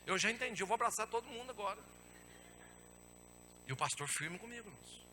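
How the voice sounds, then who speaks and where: A man preaching in a church, his high voice very bright and cutting. He tells his testimony as a dramatic story, dropping to a hush and then climbing to a shout, and keeps calling the listeners brothers. A faint hum sits under the speech. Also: expressive, fast talker. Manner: addresses the congregation as brothers. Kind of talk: sermon with personal testimony.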